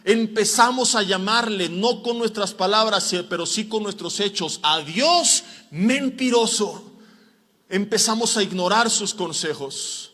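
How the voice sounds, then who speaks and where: A man preaching a sermon as a pastor, with a Mexican Spanish accent, animated and mimicking the voices of tempters and complainers. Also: high voice, normal speed, hardly any pauses, long reverb tail.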